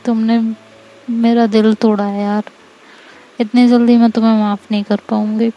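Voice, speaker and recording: A woman's voice: fairly high pitch, level tone, moderate pace, dull audio, natural voice. A woman storyteller voicing a hurt young woman who scolds her girlfriend, then turns tearful over her bruises. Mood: scolding. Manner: stern, scolding, tearful at times.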